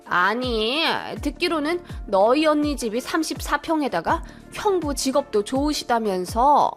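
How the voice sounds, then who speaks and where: A woman voicing a scheming older mother-in-law who talks down loudly in a radio story. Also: on the high side. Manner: loud, wheedling, talks down.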